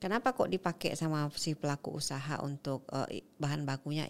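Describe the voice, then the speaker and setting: A woman speaks in a very deep, low pitch. She keeps a fairly quick pace. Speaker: university professor and fisheries economist. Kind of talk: interview.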